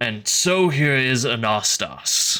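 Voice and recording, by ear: A man puts on a gruff character voice at a medium pitch.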